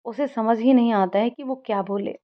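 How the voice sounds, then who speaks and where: A woman narrating a story in a steady, gentle scripted storytelling style. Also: a little high, normal speed. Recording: dull lo-fi recording.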